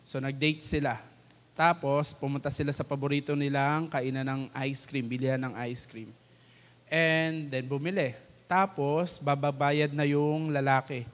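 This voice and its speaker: A man's voice: on the high side, fairly even intonation, measured pace. A man with a Filipino accent giving a conversational church teaching, mixing English into his talk and acting out quoted lines. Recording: church hall with long reverb.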